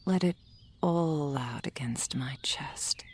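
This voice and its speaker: A woman's voice: deep voice, full character voice. A woman playing a whispering soul healer. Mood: soothing. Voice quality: breathy whisper. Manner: soft whispering, slow and soothing. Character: gentle female soul healer, calm and tender. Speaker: ASMR performer. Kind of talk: ASMR roleplay. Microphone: close microphone.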